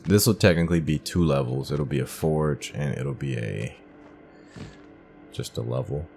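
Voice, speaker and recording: A man's voice: rumbling low, moderate pace, gravelly, darkish tone. A man giving laid-back, casual commentary as he plays through a video game, muttering short remarks to himself. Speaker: gaming streamer playing through a game. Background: game music.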